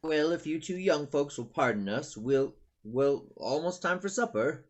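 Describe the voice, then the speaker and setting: Worried middle-aged father voiced by a woman, low pitch, lively swings, gruff family-drama delivery. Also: unhurried. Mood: polite. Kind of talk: dramatic virtual table read.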